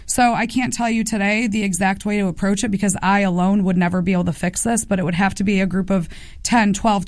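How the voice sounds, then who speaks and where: A woman's voice: mid-range voice, darkish tone, no room sound, clean studio sound. A woman in her thirties, a congressional candidate, answering policy questions in a radio interview with assertive talk. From United States. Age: 30s.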